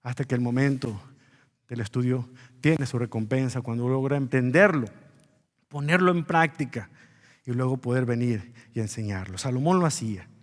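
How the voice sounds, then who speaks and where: A man's voice: medium pitch, moderate pace, big-room sound. A man preaching a sermon as pastor, earnest, pressing his key words with rising emphasis, speaking to his congregation in a church.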